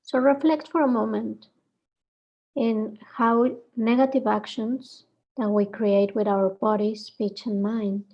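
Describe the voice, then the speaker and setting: A woman leading a guided meditation, speaking gently in short phrases with reflective pauses between them. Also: fairly high pitch, steady tone, muffled recording.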